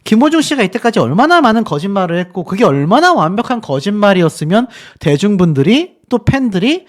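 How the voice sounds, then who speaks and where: A man's voice: sits high, big pitch swings, fairly quick. A man delivering opinionated news commentary as a YouTuber, indignant and emphatic, firing rhetorical questions at his audience.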